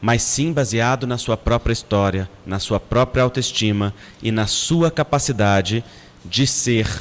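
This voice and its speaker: A man's medium-pitched voice, fairly slow, with ordinary pitch variation and noticeable background noise. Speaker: spiritist lecturer. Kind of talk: lecture. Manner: deliberately slowed pace.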